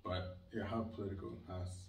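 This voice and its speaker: A young man from Israel, talking casually as an interview guest, animated and emphatic, with lots of "like". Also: sits low, brisk. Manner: animated, emphatic, leans on filler "like". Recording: roomy sound, mic at a distance.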